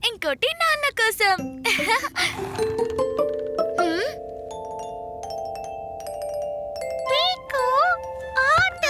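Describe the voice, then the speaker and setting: A woman's voice: very high voice, heavily acted. A woman voicing an eager, encouraging young child in a children's cartoon, speaking in simple exclamations. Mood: busy, insistent. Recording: children's music behind the voice.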